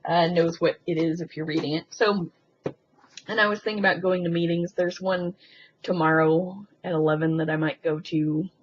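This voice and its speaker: A woman talking in a casual, rambling confessional vlog, hesitant and halting as she thinks aloud with frequent ums. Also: on the low side, fairly even intonation. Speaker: video blogger. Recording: muffled lo-fi sound with faint background noise.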